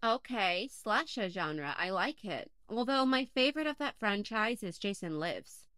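A woman in an audio play as a chatty, wry podcast host, talking at a middling pitch. The sound is close and dry, with no room around her. She brushes off suggestions with quick, dry remarks. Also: lively intonation, a bit bright, no echo.

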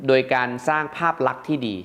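A man's voice: quick pace, fairly bright tone. Male host, middle-aged, conversational instructor explaining to viewers step by step. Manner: chatty, explaining point by point with polite particles. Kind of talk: educational talk to viewers.

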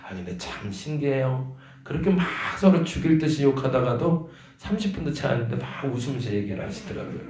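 A male pastor gives a dawn sermon in a roomy church, and his voice bounces around the hall. His pitch swings up and down as he tells the story, and he slips into the voices of the people in it. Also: sing-song, fairly quick, darkish tone. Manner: conversational storytelling, acting out quoted voices. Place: church sanctuary.

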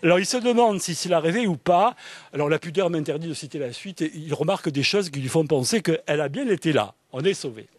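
A man's voice: on the high side, lively intonation, quick pace, dry recording. A man giving a literature lecture in an enthusiastic way, reading passages aloud and often saying "alors" and "hein". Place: public library event.

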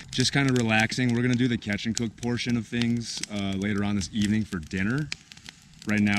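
A man's voice: lowish voice, background noise. A young man talking casually to camera outdoors by a mountain lake, cheering as he lands fish. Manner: excited exclamations while landing fish. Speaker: fishing vlogger. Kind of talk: casual vlog narration. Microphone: action camera.

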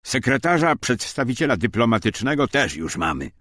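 A man's voice: mid-range voice, big pitch swings, moderate pace, a bit bright, dry recording, clean studio sound, voice pushed up. A man voicing curt German officers and guards who give orders in an official, commanding way, in a war audiobook. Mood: barking.

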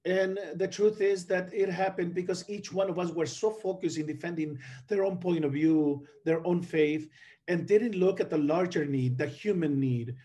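A middle-aged man from the Dominican Republic giving an online conference talk over a video call, speaking haltingly with many fillers and restarts. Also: high-pitched, warm tone. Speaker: conference panelist.

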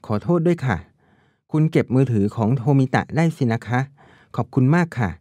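A man voicing a young woman on the phone whose soft, polite tone keeps a wary edge. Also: mid-range voice, lively intonation, normal speed, husky, no echo. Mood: flustered apologetic. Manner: soft voice turning sharp and wary.

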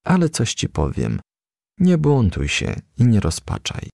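A man reads as a motherly storybook woman who counsels frankly and kindly. The voice swings widely in pitch, with a creaky edge, as it coaxes and gently scolds. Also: wildly swooping pitch, unhurried, no room sound, clean studio sound, heavily acted. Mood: consoling, admonishing. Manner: gently admonishing, coaxing. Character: kind, frank, motherly female advisor to a young firefly.

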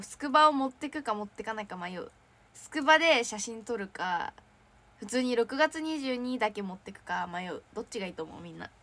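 Young female idol, slightly high voice, bubbly and giggly, casual livestream chat. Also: fairly bright tone. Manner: bubbly, chatty, frequent giggles. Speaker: idol trainee hosting a fan livestream. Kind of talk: casual livestream chat reading viewer comments.

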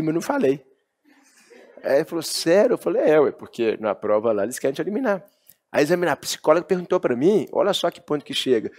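A Brazilian man lecturing a law class, telling lively anecdotes and acting out the dialogue. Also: mid-range voice. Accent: Brazilian Portuguese. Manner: lively, storytelling, acts out dialogue. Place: classroom with students.

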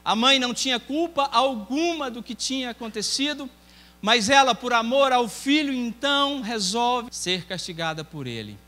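A man's voice: very high-pitched, expressive, moderate pace, sharp tone, long reverb tail. A male evangelist with a Brazilian Portuguese accent, preaching a sermon in a church and telling a story with acted dialogue. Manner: storytelling, voicing dialogue within the tale. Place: church sanctuary.

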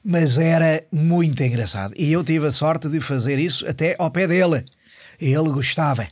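A middle-aged man with a European Portuguese accent, an actor telling animated stories as a guest on a casual podcast. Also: fairly high pitch, normal speed, dry recording. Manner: animated storyteller, jumps into voices.

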